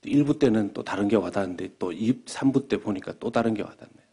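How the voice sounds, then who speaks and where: A male pastor preaches with a low, gravelly voice that has a husky edge. He drops to hushed, whispered questions, then rises into fervent exhortation. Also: a little fast. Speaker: senior pastor. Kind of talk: sermon.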